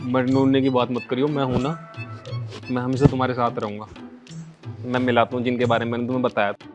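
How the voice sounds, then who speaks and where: Comedy sketch, male lead. Pleading, excitable husband who breaks into shouts. Mid-pitched voice, faint music under the scene. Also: fast, dull audio. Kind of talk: rural comedy sketch acting.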